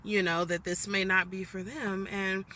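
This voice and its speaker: Brief: forties woman vlogging from her car, ringing bright tone, chatty and fed-up. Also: mid-range voice, level tone, moderate pace, slight background noise. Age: 40s. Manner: chatty venting, keeps addressing viewers as "guys". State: annoyed. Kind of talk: casual vlog chat. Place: inside a parked car.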